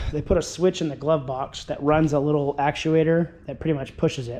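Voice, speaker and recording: Mumbling at a fairly quick pace, a man speaks at a fairly high pitch. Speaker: car hobbyist YouTuber. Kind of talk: casual vlog talk. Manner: halting with fillers.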